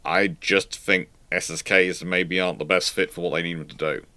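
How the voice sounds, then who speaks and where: A man giving informal expert commentary as he answers questions on a live show, emphatic and correcting, often halting and repeating words. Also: deep voice, fairly even intonation, bright, forceful tone, no echo. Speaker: host of a naval history live Q&A.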